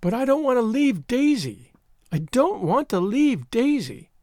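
A man acts out a naive young woman from a storybook, pitched high and swooping with feeling. The voice is small and hesitant, quavering as it pleads stubbornly in distress. The recording is very dry and close. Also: huge pitch swings, moderate pace, darkish tone, no echo, exaggerated voice. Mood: tearful pleading. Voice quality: faint, small voice. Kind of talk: dramatised audiobook story reading.

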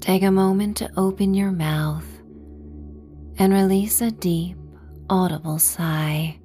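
A woman narrating a sleep story and guided meditation softly and gently, with a breathy voice that drifts near a whisper. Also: lowish voice, steady tone, soft background music. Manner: slow, gentle, measured. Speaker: podcast host and meditation guide.

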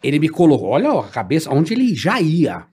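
A middle-aged man tells a story in casual chat, and his pitch swings widely as he goes. He speaks slightly high for a man and turns loud and animated as the story builds. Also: fairly quick, husky. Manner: animated storyteller, swearing, laughing.

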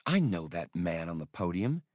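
A man voicing an alert, secretive adventurer who talks to companions in a hushed way, in a science fiction audiobook. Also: deep voice, sing-song, normal speed, no room sound, clean studio sound, voice pushed down. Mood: urgent recognition.

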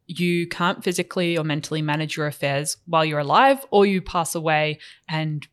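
A podcast co-host explaining finances in a steady, measured way with some filler words. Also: mid-range voice.

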